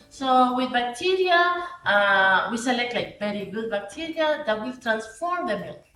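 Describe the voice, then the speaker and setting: A woman's high voice with very wide pitch swings, fairly slow pace and audible room echo. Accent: Spanish. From Venezuela. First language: Spanish. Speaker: food scientist and lecturer. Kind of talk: explanatory interview. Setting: lab. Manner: halting.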